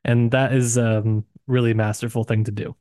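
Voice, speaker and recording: Halting, musing man on a dry mic. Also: no room sound. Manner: hesitant, many restarts and hedges, animated pitch jumps. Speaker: podcast co-host discussing a novel. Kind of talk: casual book discussion.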